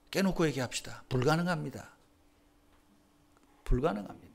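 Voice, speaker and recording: A male pastor preaching a sermon, chatting with the congregation through questions and swinging from loud proclaiming to hushed whispers. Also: on the high side. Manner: conversational, asks the congregation questions.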